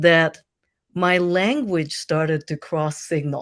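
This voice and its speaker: On a very clean recording with a silent background, a woman speaks with a Japanese accent. Her pitch is fairly low and her intonation fairly even. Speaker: sex educator. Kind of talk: interview.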